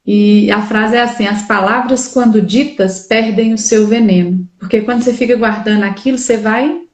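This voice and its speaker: A woman's voice: fairly high pitch, darkish tone. Hesitant woman on an echoey stream. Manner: hesitant, stammers and self-corrects. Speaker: book club co-host and video maker. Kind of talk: casual religious discussion.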